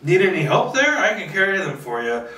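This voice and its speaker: Man playing concerned young cop, polite, earnest, higher voice, screenplay reading, distant roomy sound. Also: very animated, brisk, bright, forceful tone, exaggerated voice. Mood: friendly, helpful. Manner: courteous, earnest. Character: polite, concerned policeman aged twenty-seven, respectful neighbor. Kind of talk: screenplay table read.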